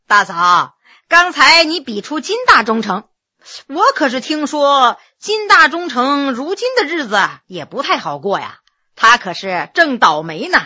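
A woman's voice: high voice, very animated, a little slow, sharp tone, slightly rough, exaggerated voice. A woman voicing a gracious, generous middle-aged nobleman who talks in an easygoing way with filler sounds. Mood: genial.

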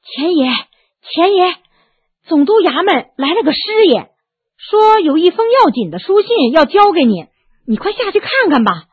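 A woman's voice: extremely high pitch, sing-song, moderate pace, voice pushed up. A woman doing a breathless young maid. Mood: urgent. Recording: tinny narrow phone-like sound, dry.

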